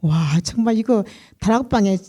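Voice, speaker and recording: A woman's voice: a little high, normal speed, dark tone. A middle-aged woman with a Gyeongsang accent, giving a chatty personal testimony to a church congregation. She often laughs and acts out other people's lines as she tells the story. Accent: Gyeongsang dialect. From Daegu region, South Korea.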